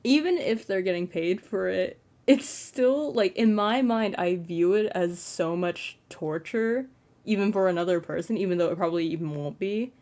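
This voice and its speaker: A young trans man, a content creator, fills his casual late-night bedroom vlog with a self-conscious ramble and frequent "like." He speaks at a moderate pace in a high, feminine-sounding, fairly flat voice.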